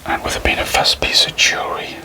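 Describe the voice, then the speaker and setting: A man doing a whispered ASMR role-play as a jeweller, speaking gently and deliberately in a breathy, unvoiced whisper. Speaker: ASMR creator addressing viewers.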